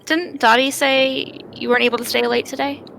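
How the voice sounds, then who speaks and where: Bright, creaky-edged woman chatting. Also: high-pitched, flat delivery, a little fast, faint music behind, poor audio. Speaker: participant in a group game playthrough. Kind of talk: casual live-stream chat.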